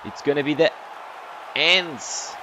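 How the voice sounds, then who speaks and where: A man with a European Portuguese accent commentating his own video game fight, excitable, shouting at big hits and throwing in English swear words. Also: on the high side, slow pace, background noise. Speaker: gaming YouTuber. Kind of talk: let's-play commentary. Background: game music and fight sounds.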